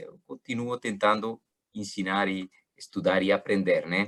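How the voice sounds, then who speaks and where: This man's voice sits fairly low in pitch. He talks at a fairly slow pace. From Spain. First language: Spanish (speaking Portuguese). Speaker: marketing manager. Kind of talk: webinar panel talk.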